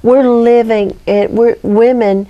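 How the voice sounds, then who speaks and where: A woman's voice: on the high side, steady tone, takes it slowly, muffled recording. A woman guest on a Christian talk show, speaking earnestly and preacherly. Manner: earnest, preacherly, rising to pleading near the end. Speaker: guest, ministry founder.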